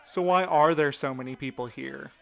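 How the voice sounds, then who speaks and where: A man's voice: mid-range voice, normal speed, creaky, natural voice. A man playing a weary, cynical night-shift worker in an audio drama, complaining with dry sarcasm. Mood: weary, exasperated. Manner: sardonic, complaining. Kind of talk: audio drama dialogue, conversational.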